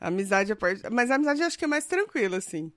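A woman's voice: mid-range voice, very animated, racing, no room sound, studio quality. A Brazilian woman co-hosting a casual podcast chat, blunt and crude, always joking. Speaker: podcast co-host.

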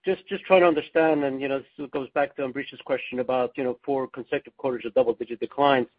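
A man's voice: medium pitch, steady tone, fast talker. A man calling in as an analyst, politely putting a question on an earnings call. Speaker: analyst caller. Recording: tinny, narrow phone line.

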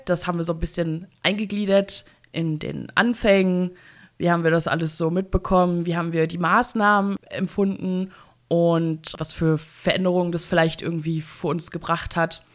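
A woman's voice: lowish voice, a bit bright. A woman hosting a podcast, chatting loosely and laughing, her voice slightly congested from a cold. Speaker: podcast host. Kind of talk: casual podcast chat.

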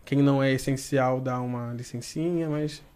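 A man in casual podcast chat about his photo shoots who often breaks into high laughter. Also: steady tone, normal speed, a little mellow, clean tone. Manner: laughs often, giggling high when amused. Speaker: photographer for a men's magazine.

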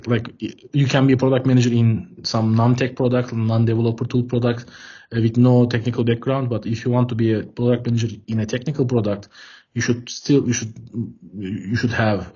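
A man's voice: mid-range voice, level tone, a little fast, warm tone, breathy edge. A man from Turkey with a Turkish accent, answering interview questions over a video call, hesitant and repeating words as he thinks. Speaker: guest, product head of a developer tool startup. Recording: dull lo-fi call audio.

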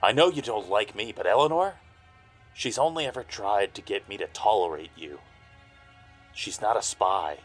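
An actor playing a down-on-his-luck, protective private eye in a noir audio drama, gruff, blunt and urgent. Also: lowish voice, lively intonation, normal speed, faint music behind. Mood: indignant.

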